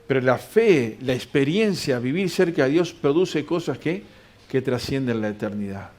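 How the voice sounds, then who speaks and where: A man's voice: mid-range voice, animated, normal speed, a little mellow. A man preaching a sermon in a church, reading scripture aloud and answering his own questions.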